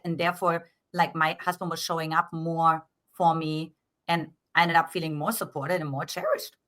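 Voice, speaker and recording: Bright-voiced German-accented woman coach. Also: on the low side. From Eastern Germany. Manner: earnest, explanatory, frequent "right?" tags. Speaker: dating coach guest. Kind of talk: interview, coaching talk.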